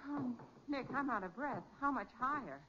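A plucky female assistant to a radio detective. Her voice sits fairly high, breezy and inquisitive, in the slangy style of 1940s crime drama. The sound is dull, like an old broadcast. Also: expressive, moderate pace. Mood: breathless. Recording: muffled vintage 1940s radio recording.

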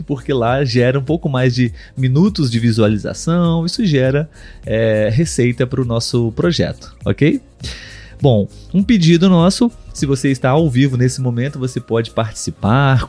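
A man from Brazil hosts a live podcast for people learning Portuguese. He speaks slowly and deliberately, often saying the same thing two ways. His voice is mellow and dark, and soft music plays faintly behind him. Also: medium pitch. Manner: slow, deliberate, repeats and rephrases for learners. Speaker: podcast host.

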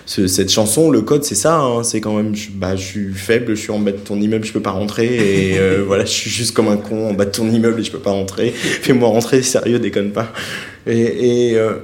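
A man's voice: on the low side, steady tone, brisk. A man from France interviewing a musician, asking long rambling questions with many fillers. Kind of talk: radio interview.

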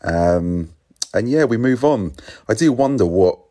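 A man leaving a casual voicemail for a podcast, giving his opinion in a measured, hesitant and reflective way. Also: lowish voice, expressive, warm tone.

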